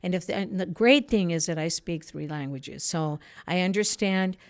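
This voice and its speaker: A woman's voice: fairly low pitch, moderate pace. A woman whose first language is Spanish, answering earnestly as an interview guest in rambling, often broken-off sentences. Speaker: interview guest, political candidate.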